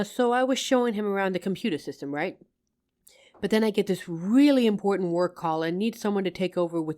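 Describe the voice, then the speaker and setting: A woman's voice: mid-range voice, natural voice. A woman playing a loving, teasing working wife, tired after work, in an affectionate roleplay addressed to the listener. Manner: affectionate, playful, expressive.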